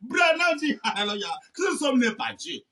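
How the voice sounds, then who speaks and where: A man preaching a fervent sermon, often shouting and repeating refrains between phrases. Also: extremely high pitch, animated, moderate pace, creaky, recorded from a distance. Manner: shouting, repeating "eh ben" and "amen".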